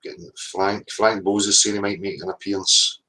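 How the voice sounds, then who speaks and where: A man's voice: on the low side, little pitch movement, normal speed, bright, forceful tone, rough recording. A man with a Scottish accent chatting casually as a livestream host and reading out the live chat.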